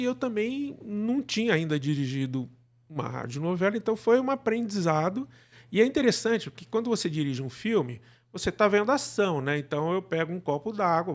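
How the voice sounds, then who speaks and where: Higher-pitched, creaky-voiced Brazilian man. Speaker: interview guest, radio drama director. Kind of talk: conversational interview, explaining.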